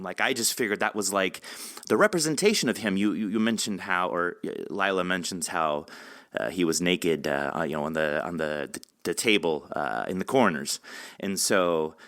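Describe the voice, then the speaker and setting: Bright-voiced, low-pitched man hosting an interview. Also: animated, no echo, clean studio sound. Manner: effusive, rambling, halting mid-sentence. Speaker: podcast host interviewing an author. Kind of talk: conversational interview.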